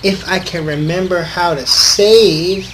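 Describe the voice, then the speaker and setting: A man with a slightly high voice plays host on a gaming video, reading visual novel text aloud. His delivery is informal and a bit halting, breaking off for casual remarks of his own. There is noise behind the voice. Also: a bit bright, low-quality recording. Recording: clearly audible background noise.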